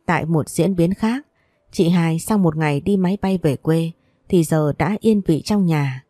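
A woman narrates a story in a steady, even reading voice. Her tone sits low and mellow, and the close recording sounds dry with no room around it. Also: unhurried, dry recording.

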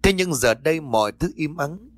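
A man's voice: fairly high pitch, expressive, moderate pace. Man narrating a ghost story. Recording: dry voice over faint music.

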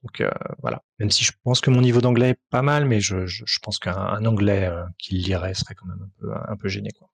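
A man's voice: fairly low pitch, steady tone, brisk, vocal fry, slightly rough, no echo. A man answering interview questions about his tabletop game work, hesitant, with frequent fillers and restarts. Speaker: tabletop RPG author, translator and publisher.

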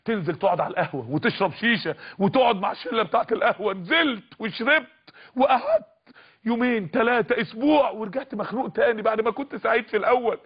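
A man's voice: sits high, expressive, fast talker, husky, lo-fi sound. A man with an Egyptian accent telling a sermon story with dramatic narration. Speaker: preacher.

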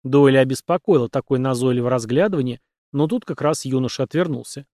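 A man narrating an audiobook with expressive storytelling. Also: medium pitch, fast talker, no echo, clean studio sound. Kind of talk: scripted narration.

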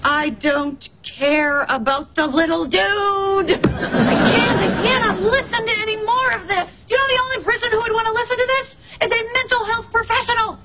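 Flustered sitcom woman, very high voice; loud audience laughter and noise behind. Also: moderate pace, few pauses, over a noisy crowd. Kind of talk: sitcom acting.

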